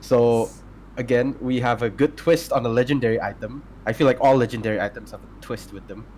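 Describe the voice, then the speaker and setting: A man's voice: mid-range voice, steady tone, a little fast, darkish tone, slight background noise. A man co-hosting a tabletop gaming podcast, reading out homebrew item rules with many fillers and self-corrections. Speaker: podcast co-host presenting homebrew. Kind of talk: casual chat and reading stat blocks.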